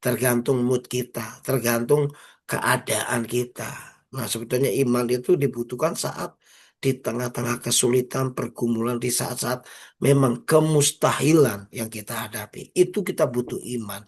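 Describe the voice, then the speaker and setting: A man preaching an informal sermon over a video call, exhorting listeners by name and slowing into emphatic recited lines. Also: mid-range voice, fairly even intonation, husky. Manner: exhorting, repeats phrases and drops into slow emphatic recitation; addresses listeners by name, casual colloquial asides. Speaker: preacher leading an online prayer meeting.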